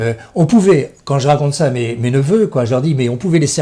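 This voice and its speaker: Somewhat breathy and dark, mellow in tone, a man's fairly high-pitched voice moves at a fairly quick pace. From France, Poitiers and Vendée. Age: 70s. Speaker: guest on talk show. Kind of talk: interview testimony. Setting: live web TV open-line show. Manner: hesitant, many fillers.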